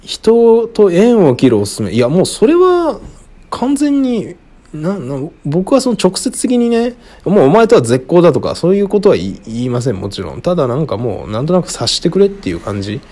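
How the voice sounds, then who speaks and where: Man hosting a lively solo Q&A talk. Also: normal speed. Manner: rambling, frank, with frequent fillers and chuckles; lively, wide pitch swings. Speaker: radio-style show host answering listener questions. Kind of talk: casual solo talk answering questions.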